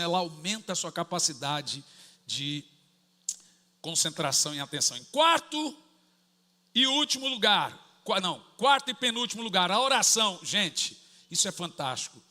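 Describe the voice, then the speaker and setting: A man in his forties with a Brazilian Portuguese accent, preaching a sermon and acting out funny family stories. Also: sits high. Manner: animated storytelling, jokey, acts out family dialogue. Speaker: pastor. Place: large church hall. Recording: echoey church hall.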